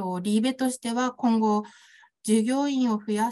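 A woman's somewhat breathy, dark, mellow tone at a fairly high pitch, moderate in pace with fairly even intonation, over a quiet background. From Naraha, Fukushima; Fukushima, Japan. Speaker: pastry shop owner. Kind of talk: presentation. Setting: online video event. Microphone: video call.

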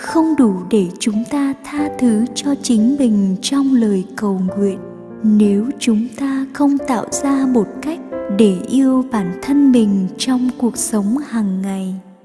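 With clear music in the background, a woman speaks at a very slow pace with ordinary pitch variation. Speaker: prayer reader. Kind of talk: devotional prayer reading. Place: studio.

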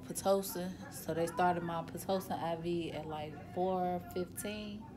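Over noticeable background noise, a woman speaks fairly slowly in a fairly low, monotone voice with flat intonation. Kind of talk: casual vlog chat. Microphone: phone near.

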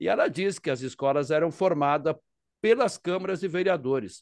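Heard over a quiet background in a dry sound with no echo, a man speaks at a high pitch. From Santa Catarina, southern Brazil. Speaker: radio broadcaster, councillors' association representative. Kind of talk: interview. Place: home room. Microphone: video call.

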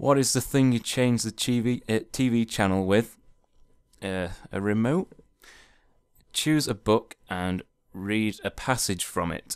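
In a very clean recording with a silent background, a man with a Yorkshire accent talks at a fairly slow pace in a medium pitch with ordinary pitch variation and long, frequent pauses. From South Yorkshire, England. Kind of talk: casual talk to camera.

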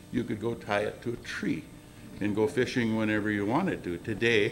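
With an Upper Midwest accent, a man speaks at a moderate pace and fairly low pitch with ordinary pitch variation over light background noise. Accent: Upper Midwest American. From US Midwest. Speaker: former resident telling local history; speaker. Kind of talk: reminiscence speech to audience. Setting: reunion gathering with microphone and audience. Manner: humorous. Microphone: podium.

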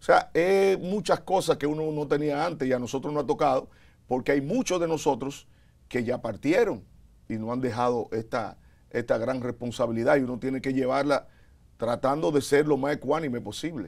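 A man speaks in a normal speaking voice at a fairly high pitch, with ordinary pitch variation, a moderate pace and a quiet background. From Dominican Republic. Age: 50s. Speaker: radio announcer and media executive; radio announcer. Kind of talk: interview. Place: studio. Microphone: lapel.

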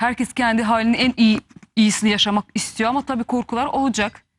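Talking at a very fast pace, a woman with a fairly high, somewhat breathy voice keeps her intonation fairly even in a dry, close sound with no echo. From Russia, Moscow. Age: 40s. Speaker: plastic surgeon. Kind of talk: TV interview. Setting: TV studio.

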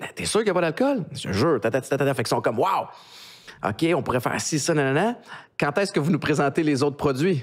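A man with a Quebec accent talks at a very fast pace in a fairly high pitch, his intonation lively against a quiet background. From Quebec, Montréal-Nord; Quebec, Canada. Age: 30s. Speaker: entrepreneur and former football player; podcast guest. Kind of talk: casual interview chat. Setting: studio. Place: studio. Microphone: studio mic.

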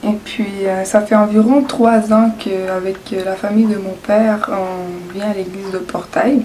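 With light background noise, a woman speaks at a very slow pace and medium pitch, using fairly even intonation and hardly any pauses. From Quebec. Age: 20s. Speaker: church member being baptized. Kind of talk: testimony. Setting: church. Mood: earnest, reflective. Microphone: webcam.

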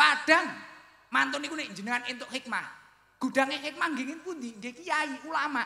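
At an extremely high pitch, a man speaks in a raised, projected voice with a bright, sharp, animated tone, ordinary pitch variation and a moderate pace, with audible room echo. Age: 20s. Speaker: Islamic preacher. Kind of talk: sermon. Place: stage. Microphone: handheld.

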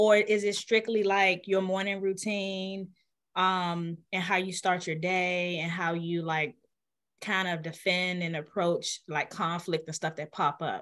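Against a quiet background, a woman speaks at a moderate pace. Her intonation is monotone and flat. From Washington DC. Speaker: podcast co-host and notary; podcast co-host. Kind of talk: casual chat. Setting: podcast recording. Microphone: webcam.

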